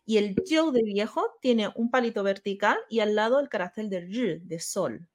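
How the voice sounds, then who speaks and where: A woman's voice: medium pitch, expressive, normal speed. A woman whose first language is Chinese, explaining grammar and characters patiently in a casual lesson. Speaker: Chinese teacher.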